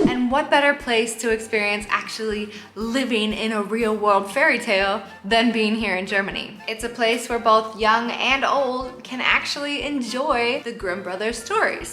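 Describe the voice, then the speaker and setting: A woman's voice: a little high, bright, forceful tone. A woman hosting a travel vlog in an enthusiastic explainer style. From Canada. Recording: roomy, echoing sound.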